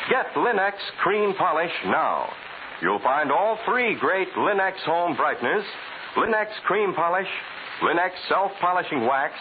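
A man announcing in 1940s radio style, reading scripted copy with a polished, emphatic sales delivery. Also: fairly high pitch. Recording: hissy, narrow-band 1940s radio recording.

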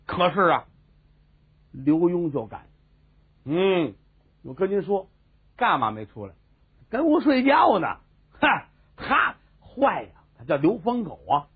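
A man's voice: high voice, big pitch swings, measured pace, long pauses, husky, heavily acted. A man voicing a scheming, fawning male court minister, wheedling and needling in a story telling. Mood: sly. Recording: tinny phone-like sound.

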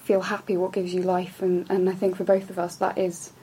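A woman's voice: fairly low pitch, monotone, a little fast, warm tone, slight background noise, poor audio. A young Welsh woman, a Welsh speaker, chatting reflectively and sometimes searching for her words. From Wales. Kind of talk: casual chat.

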